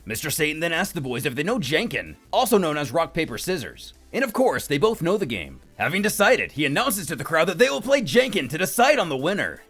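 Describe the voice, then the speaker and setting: High-pitched man narrating an action story. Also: fairly bright tone. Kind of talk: scripted story narration of a manga recap.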